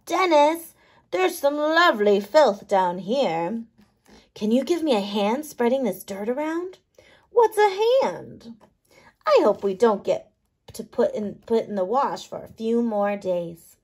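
A woman's voice: fairly high pitch, sing-song, slow pace, exaggerated voice. A woman voicing cheerful, goofy, dirt-loving shirt microbes in a children's picture book. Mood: gleeful, goofy.

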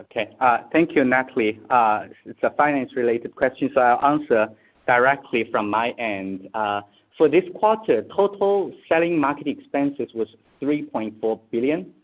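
A man explaining financial matters as an executive on an earnings call, in a measured, halting way with repeated words. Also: mid-range voice, expressive. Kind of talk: earnings call answer, unscripted business explanation. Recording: tinny phone conference line.

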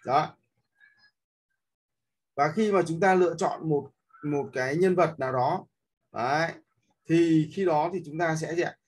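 A man's voice: on the high side, unhurried, long pauses, husky. A man teaching an app step by step, with many fillers and frequent checks that his listeners are following. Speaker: instructor. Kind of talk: screen-recorded app tutorial.

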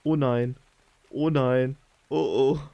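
A young man giving excitable, slangy commentary while playing a video game as a channel host. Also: medium pitch, slow pace, creaky, lo-fi sound. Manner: excitable, slangy, frequent exclamations. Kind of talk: let's play commentary.

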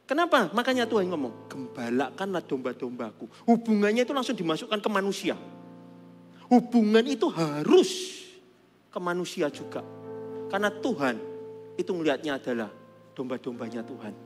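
Male pastor with a high-pitched voice, casual preaching that builds to emphatic outbursts, echoing hall. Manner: conversational preaching, swings from quiet to loud and emphatic. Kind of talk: sermon. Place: church auditorium.

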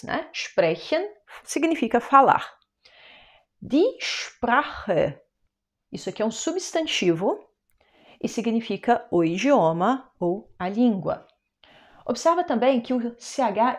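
A young Brazilian woman with a Brazilian Portuguese accent teaching a German lesson online, explaining patiently step by step and slowing down for the example words. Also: a little high.

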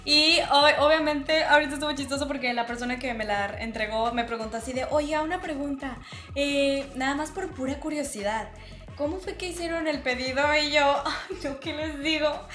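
Young mexican girl vlogger, chatty, bright high voice, roomy sound. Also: moderate pace, faint music behind. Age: 20s. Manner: giggly, excitable, chatty. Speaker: vlogger, prankster. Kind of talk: animated casual vlog chat and phone prank. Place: small home kitchen, indoors. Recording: roomy kitchen echo.

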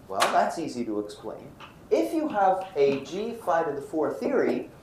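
An older man from Brooklyn gives a university lecture, checking in with his students. His pitch swings widely as he talks. The roomy hall adds echo, with a faint hiss under the voice. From Brooklyn, New York. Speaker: physics professor.

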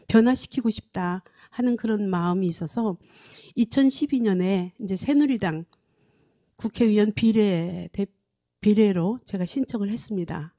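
A woman in her sixties speaks at a mid pitch with a warm, relaxed tone. She shares a personal testimony earnestly and haltingly, often repeating a phrase before moving on. She holds the microphone close. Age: 60s. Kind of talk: personal testimony at a prayer meeting. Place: indoor studio set, standing at a lectern. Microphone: handheld microphone close to mouth.

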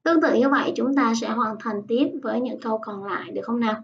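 A woman's voice: a little high, vocal fry. Lady teacher, patient, kinda distant dull audio. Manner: patient, explains in Vietnamese and models English phrases slowly. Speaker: English teacher. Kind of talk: online lesson narration. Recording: dull, slightly distant lo-fi sound.

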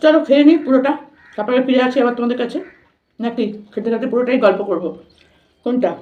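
A woman's voice: fairly high pitch, lively intonation, fast talker. A woman chatting informally to her viewers as she eats, like a casual food vlog. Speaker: vlogger. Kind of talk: casual chat to viewers while eating. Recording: echoey room, dull lo-fi sound.

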